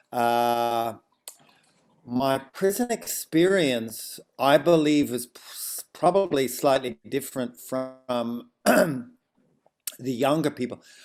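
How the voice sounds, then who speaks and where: With music in the background, a man of medium pitch speaks very slowly, with ordinary pitch variation and long, frequent pauses. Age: 60s. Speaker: climate activist. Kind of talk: press conference statement.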